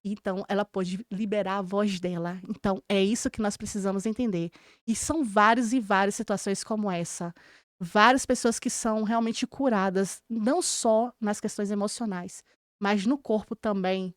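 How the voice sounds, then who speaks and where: A woman's voice: medium pitch, steady tone, moderate pace, no room sound, clean studio sound. A woman with a Brazilian Portuguese accent, a Christian therapist, telling stories from her practice in earnest and acting out her clients' words. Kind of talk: podcast conversation.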